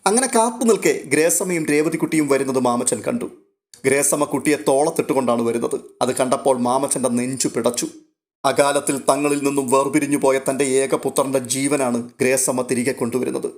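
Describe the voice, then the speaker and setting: A man's voice: medium pitch, fairly quick. A man narrating a serial story in a dramatic, florid storytelling manner.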